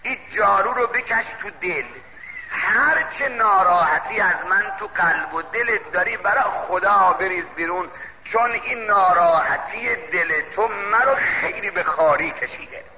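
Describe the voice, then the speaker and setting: Plaintive blind old beggar woman voiced by a male preacher, high-pitched, humble, imploring, dull hall recording. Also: background noise. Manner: pleading, plaintive.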